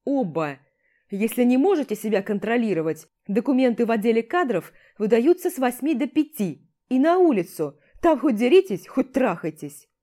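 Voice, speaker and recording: A woman's voice: fairly high pitch, big pitch swings, moderate pace. A woman reading an audiobook voices a furious, sarcastic male army commander who barks orders. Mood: yelling. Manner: barking orders, yelling.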